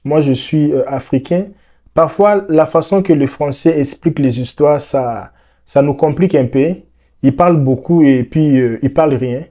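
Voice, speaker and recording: Congolese man, dark-toned explainer voice. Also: a little high, moderate pace. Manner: animated, repeats words, many "euh" fillers. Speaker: vlogger. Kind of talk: explainer vlog to camera. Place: dark indoor room.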